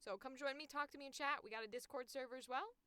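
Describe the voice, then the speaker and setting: Bright, crystal-clear chatty woman streamer. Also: sits high, fast talker, no echo. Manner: chatty, giggly. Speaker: livestream host and voice actor. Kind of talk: casual livestream chat, signing off.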